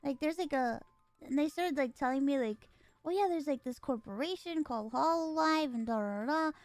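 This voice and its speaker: A woman's voice: sits high, normal speed, no room sound, soft background music. A young woman chatting casually, telling stories with dramatic exclamations and quoted dialogue. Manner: animated storytelling, dramatic exclamations. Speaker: streamer. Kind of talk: casual chat.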